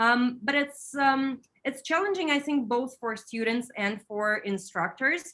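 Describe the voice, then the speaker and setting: Speaking with a Russian accent, a woman has a high pitch and a bright, sharp tone. Her intonation is lively and her pace fairly slow. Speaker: TV journalist. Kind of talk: interview.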